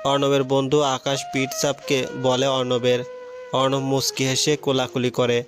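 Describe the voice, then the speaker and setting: A man with a Bangladeshi Bengali accent calmly narrating a scripted romantic story, with music behind. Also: medium pitch, moderate pace. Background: background music.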